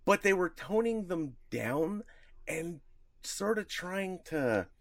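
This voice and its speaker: A podcast co-host chats casually and rambles, chuckling often as his pitch jumps around in a sing-song way. He speaks slowly, and the recording is dry and studio quality.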